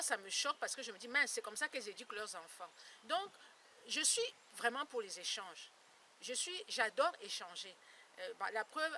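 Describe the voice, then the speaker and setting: A woman's voice: on the high side, sharp tone. A woman in her fifties speaking informally to her followers in an earnest, emphatic way, repeating phrases for emphasis. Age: 50s. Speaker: beauty blogger and campaigner against skin lightening. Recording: distant mic, clear background noise.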